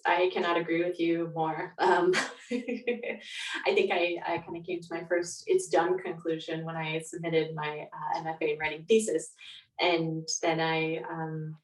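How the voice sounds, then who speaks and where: A woman with a slightly low voice talks conversationally as an interviewed author. The sound is roomy and echoing, and she sits some distance from the microphone. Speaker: guest author.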